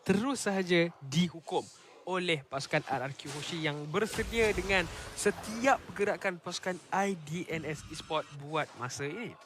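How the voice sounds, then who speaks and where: A man with a Malaysian accent giving live play-by-play esports commentary as an excitable game announcer. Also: high voice, normal speed, a little hiss or hum.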